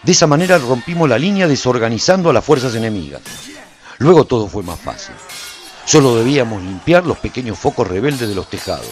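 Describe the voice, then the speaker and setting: A man playing a solitary warrior who recounts his battles in solemn, measured, scripted radio-serial narration. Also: mid-range voice, animated, faint music behind, natural voice. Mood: solemn, dramatic.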